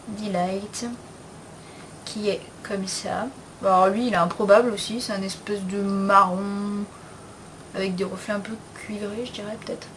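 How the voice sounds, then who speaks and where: A young woman chatting casually to her camera in a haul video, with a frank, slangy way of talking and plenty of fillers. Her pitch sits in the middle. There is a faint hiss behind her voice. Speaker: beauty vlogger.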